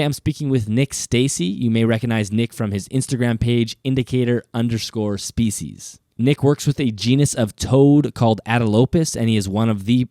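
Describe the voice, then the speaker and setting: Male podcast host, low mellow voice with a slight allergy rasp, earnest delivery, dry close sound. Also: no room sound. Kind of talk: scripted podcast intro and interviewing.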